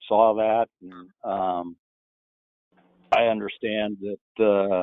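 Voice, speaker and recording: A man at a very slow pace. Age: 60s. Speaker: city council member. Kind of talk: council meeting discussion. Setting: conference call. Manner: halting, many fillers.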